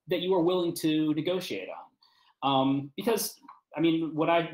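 A man talks casually as a writer on an online panel, halting as he thinks aloud. His voice is mid-pitched, and the room echoes around it. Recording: roomy echo on video call.

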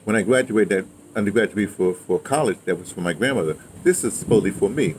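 A man's voice: on the low side, expressive, fast. Man in his seventies, noisy outdoor recording. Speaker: interviewee, audio drama veteran. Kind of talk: casual reminiscing chat. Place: outdoors, patio or yard of a building. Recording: clearly noisy outdoor ambience.

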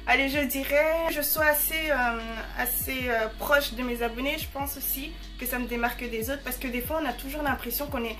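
A woman's voice: high-pitched, fairly even intonation, fairly quick, hardly any pauses, over music. A woman in her early twenties chatting casually to camera as she answers viewer messages, bubbly and full of slangy fillers.

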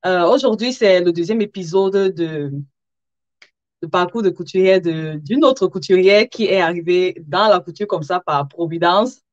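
A woman's voice: on the low side, moderate pace, no room sound. A woman hosting a live interview show, chatting informally with viewers and sounding a little tired. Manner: informal, chuckles between phrases, addresses viewers directly. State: somewhat tired. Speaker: live interview host, sewing content creator. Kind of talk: casual livestream chat with viewers. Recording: dull, lo-fi livestream audio.

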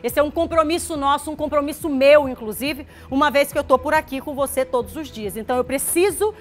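High-voiced woman presenting on TV. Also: fairly quick, soft background music. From Maranhão, Brazil. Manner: chatty, direct, coaxing viewers with frequent "tá?"; reads viewer messages aloud, greeting them warmly by name. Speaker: TV news presenter. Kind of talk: live regional TV news presenting. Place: TV studio.

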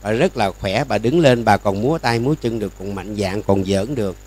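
A man's voice: lowish voice, a little fast, a little mellow. An older man with a Southern Vietnamese accent, a Buddhist monk giving a sermon in a folksy storytelling way, acting out the people in his stories.

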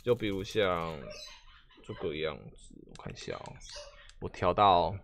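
A man's voice: low voice, big pitch swings, unhurried, creaky, slight background noise. A man with a Taiwanese Mandarin accent chatting casually on a live game stream, asking viewers questions and often trailing off and restarting.

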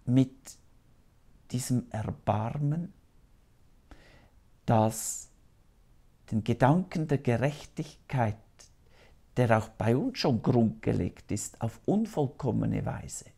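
Slow, gravelly priest in a studio. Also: male voice, medium pitch, expressive, dark tone. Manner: slow, solemn, earnest. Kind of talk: televised sermon. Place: small TV studio.

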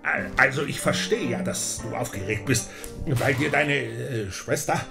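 An actor playing a flustered, reluctant academic sidekick in an audio drama, stammering and fussy, with a creaky voice. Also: male voice, mid-range voice, unhurried, music in the background. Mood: flustered, puzzled. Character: flustered, reluctant male academic, the hero's best friend. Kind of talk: German audio drama acting.

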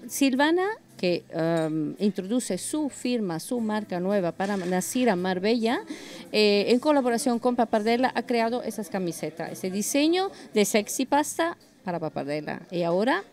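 A middle-aged woman with a mid-pitched voice speaks as a restaurant owner in a casual, animated way. She presents her guest and explains a dish with some flair. The handheld mic picks her up inside a busy restaurant. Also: normal speed. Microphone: handheld mic held by interviewer.

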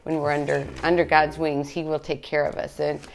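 A woman's voice: deep voice, flat delivery, brisk, vocal fry, a little hiss or hum. A middle-aged woman hosting a worship music show, chatting cheerfully and laughing easily between hymns, on a lapel mic in a living-room studio. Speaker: host. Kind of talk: casual chat between hymns. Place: cozy indoor living-room studio set.

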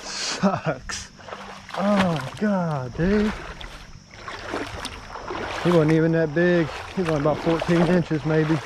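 Guy filming himself fishing a creek, kinda high voice, lots of outdoor noise. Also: slow pace, pauses often. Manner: excited, talks to viewers while fishing. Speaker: fishing vlogger. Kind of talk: casual outdoor commentary.

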